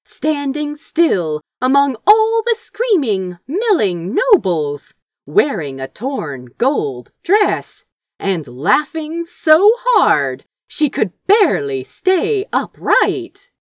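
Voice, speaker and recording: A woman narrates a story in a high voice with hugely animated intonation. She takes an unhurried pace and reads with theatrical expression. The sound is dry and close. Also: no echo. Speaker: audiobook reader of fan fiction. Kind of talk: dramatic scripted narration, fiction read aloud.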